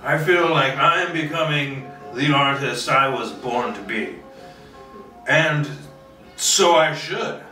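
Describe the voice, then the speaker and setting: A man's voice: mid-range voice, takes it slowly, pushed and bright. A man hosting a solo video, rambling casually in a theatrical, self-mocking, sweary way. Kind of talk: rambling casual monologue to camera. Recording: roomy echo, distant mic, faint music.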